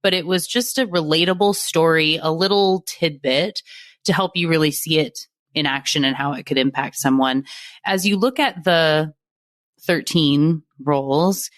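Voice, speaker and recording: Low-voiced woman hosting a podcast. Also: moderate pace, no echo. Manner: friendly, appreciative, laughs easily. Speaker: podcast host. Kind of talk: conversational podcast interview.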